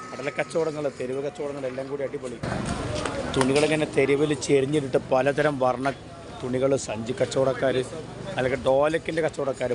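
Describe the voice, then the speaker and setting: Male vlogger, Kerala accent, mid pitch. Enthusiastic, repetitive, casual commentary in Malayalam-English mix, over loud market crowd. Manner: mixes English words into Malayalam. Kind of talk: casual walking vlog commentary. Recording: busy outdoor market crowd noise.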